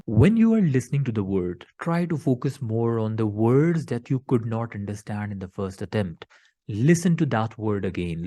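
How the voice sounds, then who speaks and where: A man's voice: medium pitch, mellow. A middle-aged man, a tutor giving direct step-by-step coaching in an instructional talk to camera. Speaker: English test tutor.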